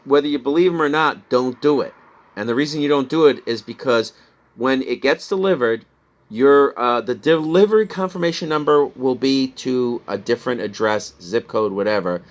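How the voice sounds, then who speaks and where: A man with a mid-range voice and a Midwestern American accent talks at normal speed about things he resold online. It's a rambling, chatty sales recap, and he laughs at his own expense.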